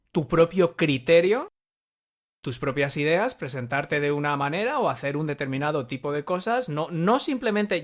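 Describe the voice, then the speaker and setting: A man hosting a podcast, asking questions with many restarts and hesitations. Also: fairly high pitch. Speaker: podcast host, interviewer. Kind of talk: interview questions.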